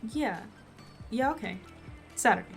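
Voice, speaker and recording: A woman's voice: on the high side, animated, a little slow, creaky, faint music behind. A woman playing a reserved young newcomer reporter in an audio drama, polite and hesitant with a dry streak.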